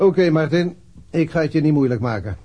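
A man's voice: on the high side, expressive, brisk, husky, dull audio. An actor playing a stern, sceptical male police superintendent, pointed and authoritative, in a radio drama. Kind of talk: Dutch radio drama acting.

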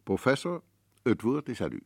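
An actor playing a sinister host in black who introduces a horror radio play with silky, relishing dread. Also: male voice, medium pitch, wildly swooping pitch, moderate pace, creaky, darkish tone, no room sound, heavily acted. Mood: sly, macabre. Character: sinister male host in black, sly and macabre. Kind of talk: 1950s radio drama narration.

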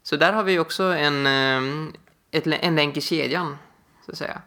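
A young man co-hosts a casual podcast from a living room. His voice sits a little high and gravelly, with a bright edge. He talks in a loose, chatty way, full of fillers and restarts. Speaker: podcast co-host. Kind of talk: casual chat.

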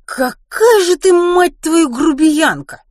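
A woman voicing a brash, foul-mouthed, indignant woman who exclaims loudly in an audiobook story. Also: fairly high pitch, wildly swooping pitch, moderate pace, no echo, studio quality, voice pushed up, exaggerated voice. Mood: indignant, shouting. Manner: loud, outraged exclaiming.

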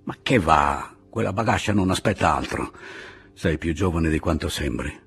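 A man voicing a slightly drunk male gypsy guerrilla who speaks low and insistently. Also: animated, moderate pace, vocal fry, breathy edge, heavily acted. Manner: hushed, insistent. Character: tipsy, blunt male gypsy guerrilla, urging murder.

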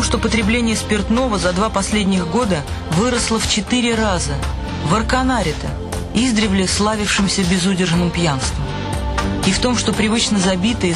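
High-voiced male radio-play narrator. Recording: music behind the voice.

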